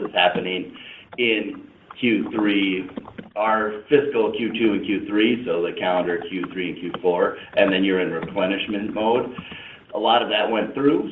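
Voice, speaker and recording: A man's voice: low-pitched, slight background noise. A man speaking as a finance executive on an earnings call, explaining business matters off the cuff and often restarting phrases. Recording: muffled roomy phone conference line.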